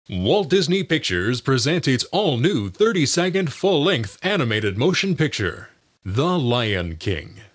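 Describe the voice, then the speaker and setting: A young man voicing a grand, dramatic movie trailer announcer with drawn-out, theatrical promo delivery. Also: medium pitch, a bit bright, full character voice. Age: young adult. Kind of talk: announcer impression, trailer voice-over.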